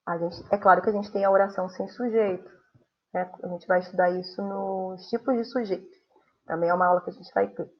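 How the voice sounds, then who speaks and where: Husky-voiced Brazilian woman teaching. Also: medium pitch, steady tone, fairly quick. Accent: Brazilian Portuguese. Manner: explains steadily, acts out example sentences with strong intonation. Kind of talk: recorded grammar lesson. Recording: dull lo-fi sound.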